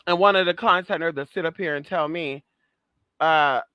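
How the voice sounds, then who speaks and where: A woman's voice: low-pitched, moderate pace, dry recording, dull audio. A trans woman vlogging in a sassy, profane monologue, calling listeners girl, honey and baby and repeating phrases for emphasis. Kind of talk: casual monologue rant.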